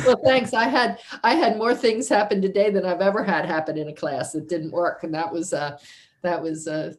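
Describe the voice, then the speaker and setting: This instructor's voice sits on the low side, with fairly even intonation and a normal speed. She's casually finishing an online class on a video call, recorded on a computer mic, sounding talkative, apologetic, and quick to laugh.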